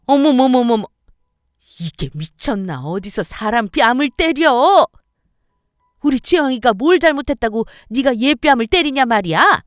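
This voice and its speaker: A woman's voice: high voice, very animated, a little slow, no echo, studio quality, faint music behind, voice pushed up. A woman voicing an older mother-in-law in a story radio drama, scolding with indignant exclamations. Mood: outraged. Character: older mother-in-law, stern but protective.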